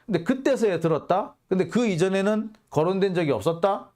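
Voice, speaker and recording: A man's voice: high-pitched, animated, a little fast, a little mellow. A man hosting his own channel, giving an indignant news commentary monologue full of rhetorical questions. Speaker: journalist and channel host.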